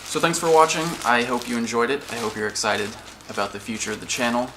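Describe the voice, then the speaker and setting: A man's voice: medium pitch, fast. A man hosting his own vlog, talking casually and rambling to the camera with self-aware asides. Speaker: vlogger and channel host. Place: in stores and a car, noisy surroundings. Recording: noisy background with ambience.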